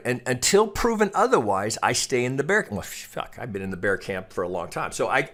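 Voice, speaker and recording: Man, medium pitch, trading educator, informal chart commentary, opinionated, conversational, casually profane. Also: a bit bright. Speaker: trading educator and market analyst.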